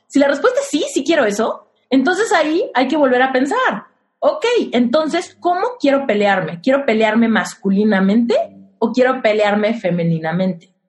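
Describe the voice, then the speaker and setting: A frank young Mexican woman talks through relationship advice in a casual, conversational way, often putting questions to her listener. Her voice sits a little higher than most. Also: animated, moderate pace. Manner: frank, uses rhetorical questions. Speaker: podcast host giving relationship advice.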